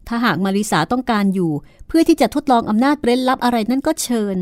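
A woman's voice: on the high side, expressive, fast, a little mellow, no room sound, studio quality, voice pushed up, lightly acted. A woman voicing a proud, cold older sister who speaks in a cutting, sarcastic way.

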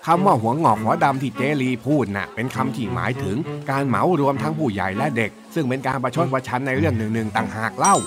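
Guy doing a cranky old uncle in a kids radio play, bossy and blustery, middle pitch, music going underneath. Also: animated, fast talker, hardly any pauses, lightly acted. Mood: grudging. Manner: scolding, blustery, rustic speech. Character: grumpy impatient old uncle, rustic and bossy. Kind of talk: children's radio drama acting.

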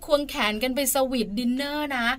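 A woman hosting a casual podcast chat, asking questions and answering her guest with quick affirmations. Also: sits high, steady tone. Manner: chatty, affirming, asks questions. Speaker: podcast host.

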